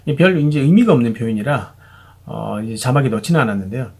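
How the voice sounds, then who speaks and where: A man with a husky, slightly rough voice explains pronunciation patiently and casually. He talks in a relaxed teaching tone and keeps checking that the viewer is following. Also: medium pitch, quick pace. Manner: patient, chatty, frequent fillers and "그죠?" check-ins. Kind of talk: explanatory video lesson.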